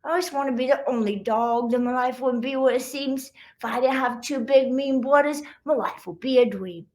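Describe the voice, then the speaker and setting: A woman's voice: high-pitched, normal speed, a little mellow, natural voice. A woman voicing an indignant, childish little female dog, the youngest sibling in a children's storybook read-aloud. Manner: childish, pouty.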